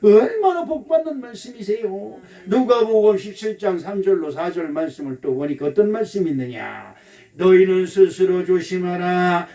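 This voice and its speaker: Male pastor, sermon, high voice, swooping animated delivery, mic set back from him. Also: normal speed, few pauses, distant mic. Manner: emphatic, repetitive, acts out quoted speech.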